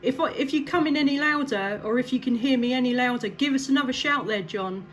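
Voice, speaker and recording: A woman's voice: high voice, fast talker. A woman CB radio operator making casual contact chat in an upbeat, encouraging way. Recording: clear background noise.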